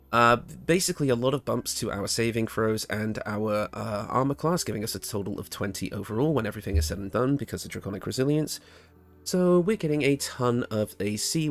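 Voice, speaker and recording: A man giving a casual, conversational video game guide, with a slightly raspy voice, a little hoarse from being under the weather. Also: on the low side, fairly bright tone. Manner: informal, conversational. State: getting over an illness, slightly hoarse. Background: background music.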